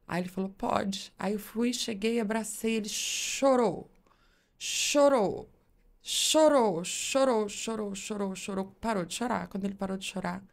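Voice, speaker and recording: A woman co-hosting a podcast, telling a family story with lively acted-out dialogue in casual chat. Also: medium pitch, gravelly. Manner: animated storyteller, acts out dialogue. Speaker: podcast co-host, mother.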